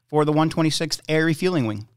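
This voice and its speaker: Smooth-voiced young male host. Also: fairly high pitch, fast talker, no room sound, clean studio sound. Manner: friendly, informal, hesitant fillers. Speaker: podcast host, interviewer. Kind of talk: casual interview chat.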